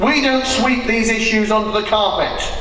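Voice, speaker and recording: The voice is raised and projected, moving at a fairly slow pace. Light background noise and audible room echo surround it. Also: man. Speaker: candidate. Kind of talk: political speech. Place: hall. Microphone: podium.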